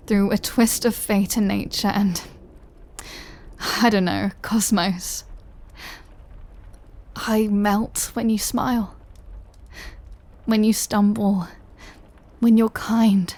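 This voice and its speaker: With a medium-pitched voice, a woman plays a brooding yet tender vampire lover who has lived for centuries. In this intimate audio roleplay she speaks in soft, confiding tones that frequently fall to a whisper.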